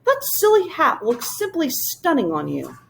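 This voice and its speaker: Woman playing a Whangdoodle king, old male storybook creature, lisping, gushing, anxious, very high, bouncy pitch. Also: wildly swooping pitch, unhurried, vocal fry, slight background noise, exaggerated voice. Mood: excited.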